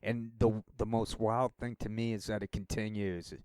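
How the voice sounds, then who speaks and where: A man's voice: lowish voice, flat delivery, moderate pace, darkish tone, dry recording, studio quality. A man rambling through a casual solo monologue as a vlogger, wandering from thought to thought. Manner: rambling, meandering talk.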